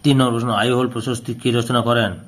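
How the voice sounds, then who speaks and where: A man's voice: medium pitch, little pitch movement, quick pace. A man teaching by reading out questions and answers, repeating phrases as if dictating. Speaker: history teacher solving an exam paper.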